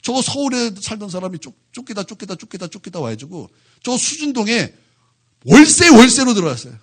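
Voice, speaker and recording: Husky-voiced pastor preaching animatedly. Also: male voice, high voice, brisk. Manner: animated, keeps asking the congregation questions. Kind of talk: sermon. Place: church.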